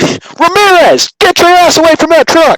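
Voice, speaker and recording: A put-on character voice from a man, extremely high in pitch, at a moderate pace. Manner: barking, commanding.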